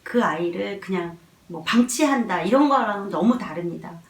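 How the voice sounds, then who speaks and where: A woman giving an earnest, gently reassuring talk on caring for babies. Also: mid-range voice, expressive, moderate pace. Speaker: parenting educator. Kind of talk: explanatory parenting talk. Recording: echoey room, mic far off.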